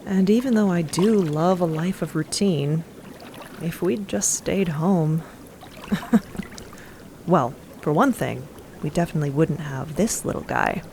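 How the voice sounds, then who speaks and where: Fond reassuring wife in audio drama, chatty n gentle, lots of water noise behind. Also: female voice, deep voice, measured pace, long pauses. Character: Mickey, fond, reassuring woman, adventurous spouse. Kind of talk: audio drama acting and narration.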